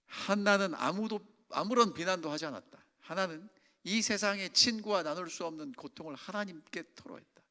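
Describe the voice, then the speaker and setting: Male senior pastor, emphatic sermon full of questions to the pews, bright and tense tone. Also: high voice, normal speed. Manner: emphatic, asks the congregation questions. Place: church sanctuary. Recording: long church reverb.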